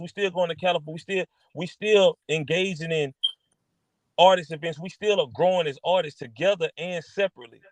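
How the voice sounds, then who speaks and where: This man's high-pitched, animated voice comes through loud at a fairly quick pace, with a dry, close sound and no echo. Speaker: podcast host; artist. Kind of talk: casual chat.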